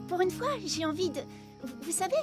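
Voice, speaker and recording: A woman's voice: very high voice, animated, fairly quick. A woman in a French cartoon dub voicing a modest, polite young pop star who speaks a little hesitantly. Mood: friendly, earnest. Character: young female pop star wanting ordinary life, modest. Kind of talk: French animated cartoon dubbing. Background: background music.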